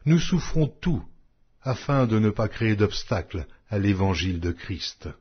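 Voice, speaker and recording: Male audio Bible narrator, lively intonation, rough-edged husky tone, solemn and declamatory delivery, slightly muffled lo-fi sound. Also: medium pitch. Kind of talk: scripted scripture reading, solemn narration.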